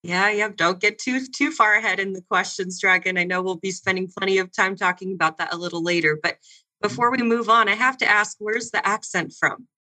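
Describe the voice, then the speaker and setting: Upbeat lady running a panel, bright voice, keeps it moving. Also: medium pitch, a little fast, low-quality recording. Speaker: panel moderator. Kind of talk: moderating a panel discussion.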